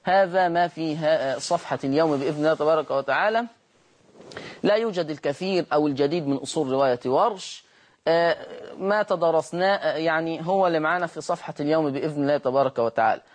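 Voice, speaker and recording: A man teaching Quran recitation on a broadcast lesson, patiently repeating words slowly to demonstrate their sounds. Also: fairly high pitch. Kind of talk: televised Quran lesson, explaining Warsh reading.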